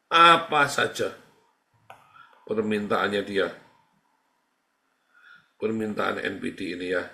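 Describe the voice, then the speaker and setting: A man's voice: on the low side, flat delivery, slow pace, creaky, fairly bright tone. A man speaking as a pastor, teaching in a casual, conversational way, repeating phrases and acting out quoted dialogue. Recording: roomy echo.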